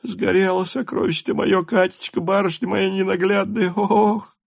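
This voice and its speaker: A man's voice: mid-range voice, very animated, moderate pace, vocal fry, slightly rough, no echo, studio quality, voice pushed up, exaggerated voice. A man voicing a simple young servant girl in an audiobook, lamenting plaintively. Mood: wailing.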